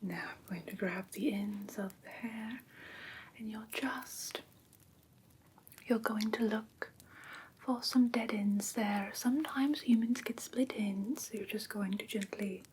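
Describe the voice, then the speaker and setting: A woman playing a gentle vampire teacher in a whispered ASMR roleplay lesson, patiently instructing in a breathy whisper close to the microphone. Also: medium pitch, takes it slowly, a little hiss or hum, close to an everyday voice. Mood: gentle, instructive. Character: gentle female vampire teacher of human pet care. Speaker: host of a roleplay class, as instructor.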